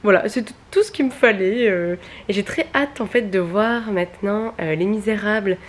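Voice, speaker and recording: A woman's voice: mid-range voice, moderate pace, a little hiss or hum. A young woman chatting casually in a home vlog, rambling with many fillers and restarts. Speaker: vlogger.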